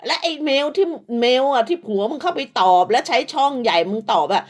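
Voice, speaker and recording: Woman, high-pitched, profane scolding rant, crude insults, repeated short tags. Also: sing-song, brisk. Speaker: online commentator. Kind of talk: profane rant at rival creators.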